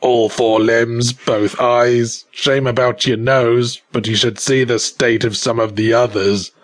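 A man voicing a friendly male zombie with a gravelly, rough voice, speaking in an easygoing, matter-of-fact way. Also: medium pitch, level tone, slow pace, close to an everyday voice.

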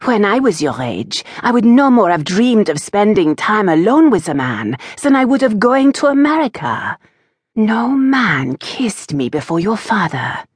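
A woman's voice: medium pitch, very animated, unhurried, breathy edge, dry recording, clean studio sound, voice pushed up. A woman doing a severe, scolding aristocratic mother. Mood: stern. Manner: severe, disapproving and lecturing. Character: stern, proper aristocratic mother scolding her daughter.

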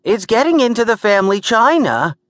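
Male narrator as aging New York woman, raised shrill pitch, bossy, complaining, swooping delivery, storybook character. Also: wildly swooping pitch, normal speed, no echo, full character voice. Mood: panicked, shrieking. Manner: sharp, scolding, exasperated. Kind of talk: audiobook character acting.

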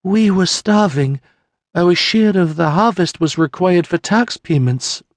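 A man voicing a grieving young peasant mother, tearful and humble, speaking in halting, broken phrases. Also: high voice, animated, no echo, pitched above the performer's own voice.

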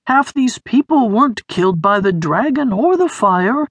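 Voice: medium pitch, lively intonation, normal speed, no room sound, voice pushed up. A storybook reader voicing a weak, wheezing, plump young male creature who survived a fire. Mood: urgent, shaken. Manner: wheezy and breathless.

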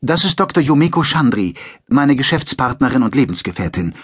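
A man's voice: medium pitch, sing-song, fairly quick, husky, dry recording, studio quality, voice pushed up. A man voicing an anxious, earnest male scientist in an audiobook, speaking in an uneasy, pleading way. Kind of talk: audiobook character voice.

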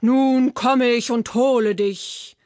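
A woman voicing a big, hideous male troll under a bridge, calling out slowly and loudly with threats. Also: on the high side, fairly even intonation, no echo. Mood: menacing. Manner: slow, loud, threatening calls.

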